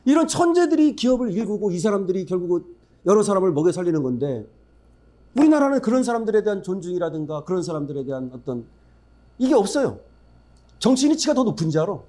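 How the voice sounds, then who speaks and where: A man's voice: high voice, sing-song, fast, dark tone. A man giving a political speech at a forum, emphatic and blunt, firing rhetorical questions at the audience. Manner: blunt, scornful asides. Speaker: forum speaker.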